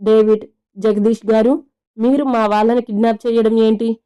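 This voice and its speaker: A woman voicing a loyal male assistant who speaks politely and earnestly, in a calm reading voice. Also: fairly high pitch, moderate pace, clean tone, lightly acted. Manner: polite, respectful.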